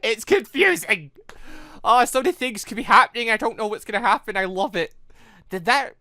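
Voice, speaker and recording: Animated woman doing game commentary. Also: on the high side, no room sound, clean studio sound. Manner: excitable, halting exclamations. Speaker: gaming video host. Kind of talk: casual playthrough commentary.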